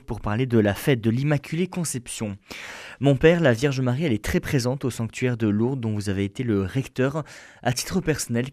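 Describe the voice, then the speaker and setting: A man's voice: mid-range voice, a little mellow, dry recording. Radio host man, dry studio sound. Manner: clear, formal questioning. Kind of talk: radio interview.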